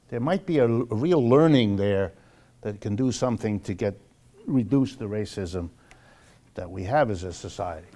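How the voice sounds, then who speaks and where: A man lecturing to the public on economics, speaking emphatically and deliberately and repeating phrases for stress. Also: medium pitch, darkish tone.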